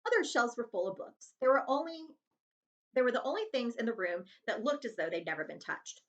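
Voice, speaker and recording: A woman reading a children's chapter book aloud as host, with expressive narration. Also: fairly high pitch, brisk, lo-fi sound.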